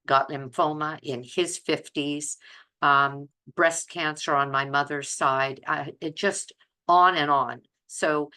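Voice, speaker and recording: An older woman hosts a casual health vlog. Her voice sits unusually low for a woman and has a bright, crisp edge. She talks in an earnest, emphatic way, often repeating a word to stress it. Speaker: health vlogger. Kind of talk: casual, chatty talk to viewers.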